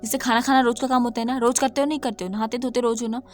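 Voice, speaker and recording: Slightly hoarse woman giving coding tips. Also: a little high, flat delivery, very fast, darkish tone. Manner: emphatic, repeats points, mixes English terms into speech. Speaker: coding tutor. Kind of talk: casual talk-to-camera lesson.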